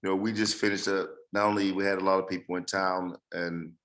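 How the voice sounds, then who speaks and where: A man's voice: low voice, little pitch movement, a little fast, fairly bright tone. A man losing his voice, giving a rambling casual update to a team on a group call. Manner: rambling, repeats phrases. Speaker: project leader giving updates.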